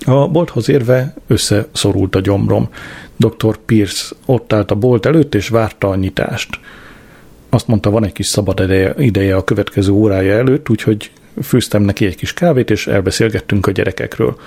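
A man's voice: fairly low pitch, creaky, a little mellow, breathy edge. A man reading a diary-style story aloud as an audiobook narrator, with a dry, wry delivery.

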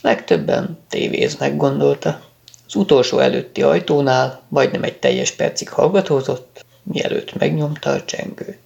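A man narrating a story in a calm, measured audiobook reading. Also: mid-range voice, creaky, dull audio.

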